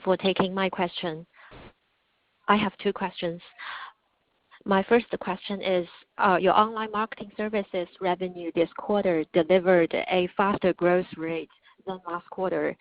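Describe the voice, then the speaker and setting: Low-pitched woman analyst on a muffled line. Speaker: financial analyst asking questions. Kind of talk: formal prepared questions. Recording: dull lo-fi phone line.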